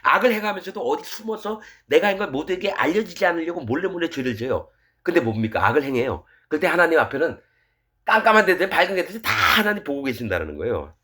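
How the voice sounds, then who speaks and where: A man's voice: on the high side, big pitch swings, fast talker, bright, forceful tone. A male pastor giving a sermon in a colloquial, conversational manner, reading scripture aloud and explaining it.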